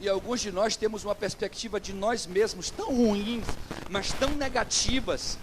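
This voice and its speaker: A male Brazilian pastor delivers a sermon in a notably high voice and acts out the dialogue of the people in his stories. A faint hum of noise sits behind him. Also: normal speed. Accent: Brazilian Portuguese. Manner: preaching with rising intensity, acting out quoted dialogue.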